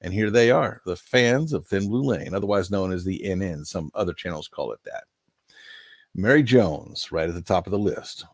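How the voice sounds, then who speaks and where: A man's voice: deep voice, normal speed, no echo, studio quality. An older man hosting a casual live stream, rambling in a folksy way and reading out viewer names, a little nasal from allergies. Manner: rambling, folksy, chuckling asides.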